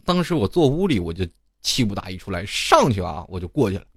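A man's voice: fairly low pitch, very animated, quick pace, noisy background. A young man, giving a comedic monologue full of rhetorical asides and chuckles. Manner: rhetorical asides, chuckling while telling stories. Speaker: host.

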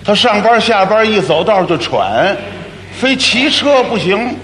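A man telling a solo comic story in a lively, wry manner. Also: high voice, unhurried. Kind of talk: solo crosstalk monologue. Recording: echoey hall, faint noise.

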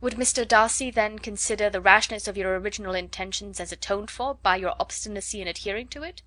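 A woman's voice: medium pitch, fast, bright, forceful tone, no room sound, natural voice. A woman reading as a witty, arch young woman. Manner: arch, lightly ironic.

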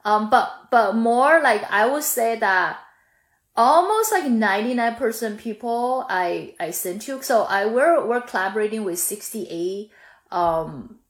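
A woman's voice: a little high, measured pace. Chinese-accented woman in a roomy recording. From Chongqing, China. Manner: lively, frequent fillers and restarts. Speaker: sauce brand founder, guest. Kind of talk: casual interview conversation.

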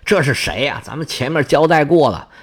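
Guy retelling old myths, chatty folksy style, husky voice, higher pitch. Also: fairly quick. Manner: lively, folksy, chatty asides to listeners. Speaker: storyteller. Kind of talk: colloquial storytelling of myths.

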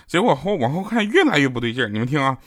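A man's voice: fairly high pitch, very animated, racing, a bit bright, no room sound, clean studio sound. A man hosting a comedy show, telling funny stories in a chatty, teasing way. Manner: chatty, teasing, acts out quoted lines. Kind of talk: comic storytelling monologue. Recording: clear background music under the voice.

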